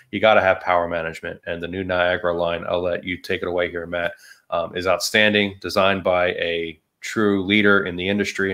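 Deep-voiced man hosting a gear chat. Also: vocal fry, fairly bright tone. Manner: earnest storytelling. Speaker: host. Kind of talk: casual live workshop chat.

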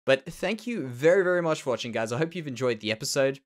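Nasal Australian man, lively pitch. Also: quick pace. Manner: musing, self-correcting, repeats words. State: tender voice. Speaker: Minecraft let's play host. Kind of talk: casual gameplay commentary.

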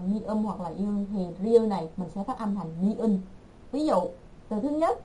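A woman teaching an online language class, repeating words slowly and patiently for her learners. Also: fairly high pitch, warm tone, a little hiss or hum, poor audio.

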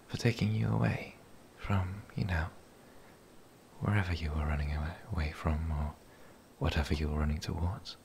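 A man playing a lonely, gentle, shy young werewolf in a whispered ASMR roleplay, speaking breathily, softly and haltingly. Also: slight background noise. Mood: wary, questioning. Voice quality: breathy whisper, low and creaky. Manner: hesitant, halting, soft-spoken.

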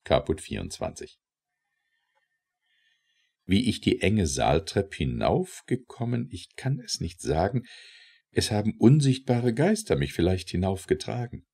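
A man reads poetry aloud as an audiobook narrator. His voice is very low and gravelly, and his theatrical delivery swings widely up and down. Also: very animated, unhurried, mellow. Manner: theatrical, declamatory. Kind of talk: expressive verse recitation.

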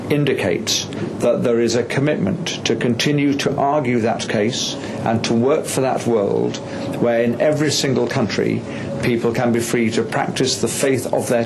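A man at a medium pitch delivers a formal reception speech as a member of parliament. He is measured and pauses often on "uh". Clear background noise runs under his voice throughout. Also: steady tone.

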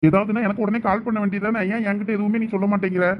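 Brisk, bossy tour organiser, played by a man, quick and high-pitched, with faint hiss behind. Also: steady tone, lo-fi sound, natural voice. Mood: reassuring. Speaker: tour group organiser in a village comedy skit.

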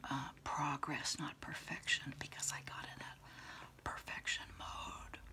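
A middle-aged woman whispering a quiet ASMR roleplay close to the mic, in a breathy, murmuring voice with pauses and soft hums. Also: low voice, level tone. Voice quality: breathy, mostly unvoiced whisper. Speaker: ASMR host playing a therapist. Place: small candlelit indoor room.

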